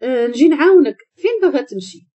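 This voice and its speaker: Woman doing a sweet worried moroccan guy, warm low-key voice. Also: lively intonation, fast, muffled recording. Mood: concerned. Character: kind, concerned young man helping a friend.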